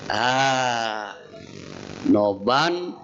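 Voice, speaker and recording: Male Buddhist preacher, unhurried comic storyteller who acts out voices; dull lo-fi temple-hall recording. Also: mid-range voice. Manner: animated, acts out quoted dialogue in shifting voices. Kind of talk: humorous sermon storytelling. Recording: dull lo-fi sound with faint noise.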